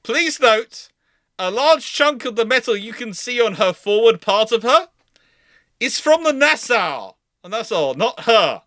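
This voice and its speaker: A man's voice: very high-pitched, very animated, unhurried, bright, forceful tone, no echo, clean studio sound. A man hosting a casual live stream, chatting with co-hosts and varying between emphatic delivery and mumbled asides. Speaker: live stream host of a naval history channel.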